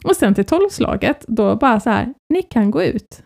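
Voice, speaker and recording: Gravelly higher-voiced woman. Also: very animated. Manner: warm, reflective, supportive listener. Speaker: podcast co-host. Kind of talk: casual chat.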